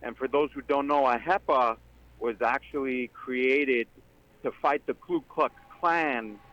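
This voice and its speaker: A man from Greece calling in to a radio show, talking earnestly with many pauses. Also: medium pitch, fairly bright tone. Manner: earnest, with many ums, speeds up when joking. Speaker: caller. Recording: dull lo-fi phone line.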